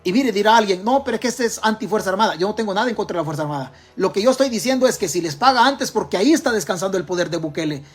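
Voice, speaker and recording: With a Salvadoran Spanish accent, a man delivers political commentary straight to camera, emphatic and hurling rhetorical questions at his viewers. His high, husky voice is animated and very fast, with few pauses, over soft background music.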